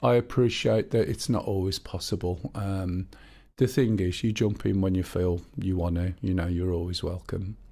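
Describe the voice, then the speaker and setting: A man's voice: sits low, steady tone, normal speed, vocal fry, few pauses, warm tone. A man with a Black Country accent chatting casually while live-streaming a flight game and reading viewer chat aloud.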